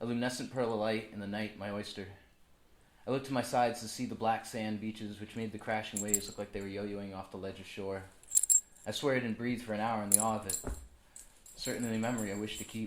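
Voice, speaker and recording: A man with an American accent, fairly low pitch, very fast pace broken by long, frequent pauses, monotone and flat intonation, and noticeable background noise. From Boston, Massachusetts. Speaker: poet. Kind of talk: spoken word poetry performance. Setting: live open mic, no microphone.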